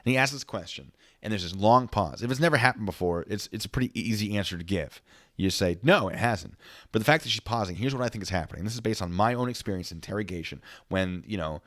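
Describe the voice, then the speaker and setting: A man's voice: fairly low pitch, quick pace, dry recording, studio quality. A man giving casual, off-the-cuff commentary on a livestream, often amused and speaking to his chat. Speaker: livestream commentator reacting to court footage; former interrogator and investigator.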